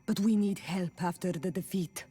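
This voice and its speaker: An actress playing a grave, careful tribal woman, a queen's daughter, in a video game, speaking solemnly and deliberately. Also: fairly low pitch, warm tone, husky. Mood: troubled. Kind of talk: video game cutscene acting. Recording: background music under the voice.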